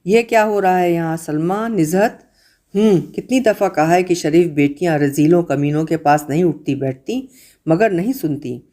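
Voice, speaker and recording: A woman's voice: on the low side, moderate pace, dark tone, lightly acted. A woman voicing a stern, fussy mother of the house who scolds the girls sharply. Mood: scolding.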